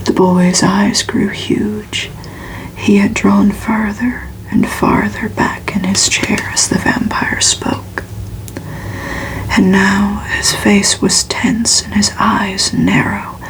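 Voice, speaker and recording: Female ASMR reader for gothic fiction: fully whispered, unhurried, very even in pitch. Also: poor audio. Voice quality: soft unvoiced whisper. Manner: slow, hushed, even narration.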